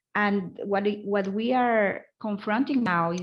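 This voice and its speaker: With a Spanish accent, a woman speaks at a fairly slow pace and medium pitch. Her voice is somewhat breathy, with ordinary pitch variation. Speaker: panelist. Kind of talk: panel discussion. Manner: halting, many repetitions.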